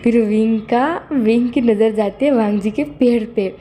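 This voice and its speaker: Casual woman storyteller, rambling with fillers, fairly high pitch, dark mellow tone. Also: unhurried, slight background noise. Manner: rambling, many fillers, self-correcting. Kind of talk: casual fan story narration.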